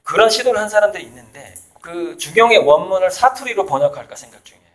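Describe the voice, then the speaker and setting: Man, high voice, from south jeolla, emphatic, casual lecture, conversational. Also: fast. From South Jeolla, Korea. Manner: animated, emphatic, laughs between points. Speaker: artist and author, interviewee.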